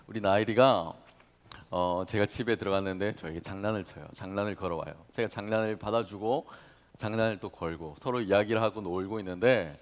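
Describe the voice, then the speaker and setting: A man in his thirties, a pastor preaching to young adults, dramatic in delivery, acting out prayers and swinging from hushed to loud. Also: lowish voice, fairly quick. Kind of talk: sermon.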